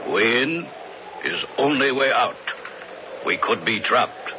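A man's voice: mid-range voice, animated, takes it slowly. A man playing a solemn, reverent tribal guide who speaks in terse, formal phrases, in a radio drama. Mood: solemn, reluctant. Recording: muffled radio broadcast, clear noise.

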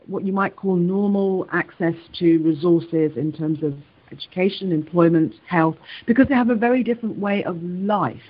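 A woman's voice: fairly low pitch, lo-fi sound. A British woman, a university professor, giving careful, hesitant answers with frequent restarts in an interview. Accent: British English. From United Kingdom. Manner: measured, hesitant, many restarts and fillers. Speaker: guest professor.

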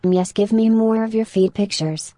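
A generated female-sounding voice voicing a crude AI computer, with a synthetic robot sound and flat delivery. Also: mid-range voice, moderate pace, dry recording, studio quality. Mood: deadpan.

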